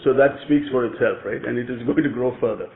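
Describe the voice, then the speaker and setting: An Indian man answers questions as a company executive on a conference call. His voice has a gravelly creak and comes through a thin, echoey phone connection. He talks conversationally, hedging and pausing as he goes. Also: medium pitch, slight background noise. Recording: echoey, narrow telephone conference line.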